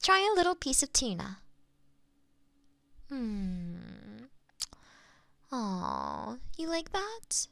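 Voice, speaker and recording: A woman's voice: on the high side, wildly swooping pitch, very slow, vocal fry, pauses often, a bit bright, no room sound, full character voice. A woman playing a doting, playful cat owner in an intimate roleplay, cooing affectionately at her pet. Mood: fond, coaxing. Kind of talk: roleplay audio, intimate one-sided scene. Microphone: close binaural microphone.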